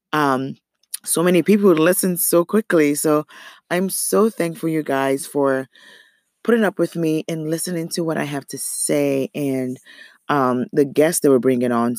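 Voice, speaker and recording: Earnest woman with a slightly raspy voice. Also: low voice, a little mellow, no echo, clean studio sound. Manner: earnest and encouraging, repeats phrases for emphasis. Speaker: podcast host. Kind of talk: motivational solo podcast talk.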